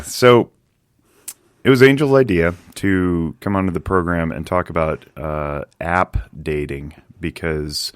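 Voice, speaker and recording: A man's voice: low voice, no echo, clean studio sound. A man hosting a podcast interview, chatty and rambling, laughing easily as he talks. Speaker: podcast host. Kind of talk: casual interview chat.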